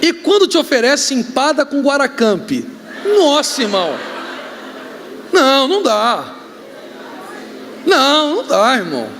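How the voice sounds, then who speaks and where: Animated high-voiced Brazilian pastor preaching. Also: male voice, measured pace, pauses often, a faint crowd, a little hiss or hum. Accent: Brazilian Portuguese. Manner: joking, animated storytelling with shouts. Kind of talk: sermon. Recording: reverberant hall, faint ambience.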